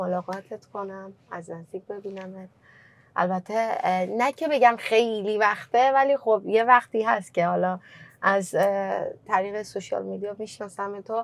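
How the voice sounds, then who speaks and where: In a Kurdish accent, a woman speaks at a fairly slow pace and a medium pitch with ordinary pitch variation and big swings in loudness, in a very clean recording with a silent background. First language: Kurdish (speaking Persian). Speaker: podcast host. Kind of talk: interview.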